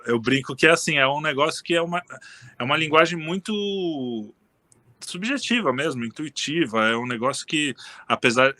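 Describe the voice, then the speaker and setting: Bright-voiced man chatting casually. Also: mid-range voice, dry recording. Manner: relaxed, rambling, frequent restarts and fillers. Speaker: interview guest. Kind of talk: casual conversation.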